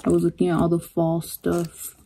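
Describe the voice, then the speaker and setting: A young woman chatting casually to camera in her bedroom during a food vlog, relaxed and unhurried, trailing off with fillers. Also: on the low side, husky. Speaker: vlogger. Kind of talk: casual mukbang chat.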